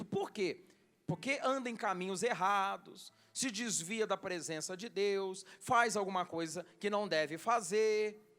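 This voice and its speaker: A man's voice: sits high, a bit bright. A Brazilian man preaching a sermon to his church, reading scripture and calling out questions to the congregation. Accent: Brazilian Portuguese. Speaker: pastor.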